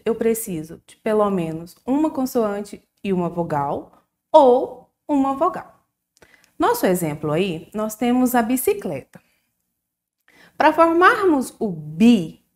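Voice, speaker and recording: A woman teacher with a Brazilian accent giving a recorded lesson to young children, slow and sing-song, drawing out syllables. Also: mid-range voice. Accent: Brazilian Portuguese.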